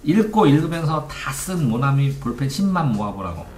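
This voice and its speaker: Lively man lecturing in an echoey room. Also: medium pitch, moderate pace, slight background noise. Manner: lively, rhetorical questions to listeners. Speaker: study coach. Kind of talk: informal lecture on study methods.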